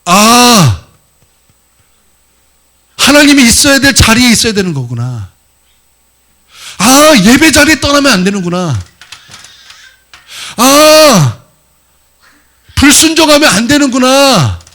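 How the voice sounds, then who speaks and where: A man's voice: on the low side, lively intonation, normal speed, pauses often, slightly rough, pitched below the performer's own voice. A pastor acting out an older patriarch, speaking his lines earnestly and with exclamation as part of a sermon. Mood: dawning realization. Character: repentant ancient patriarch, older man.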